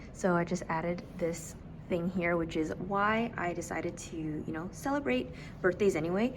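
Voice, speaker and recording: A young woman teacher talking in a casual, emotional vlog, with a raspy voice and a soft, reflective way of talking full of fillers. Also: fairly low pitch, slight background noise. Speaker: high school history teacher.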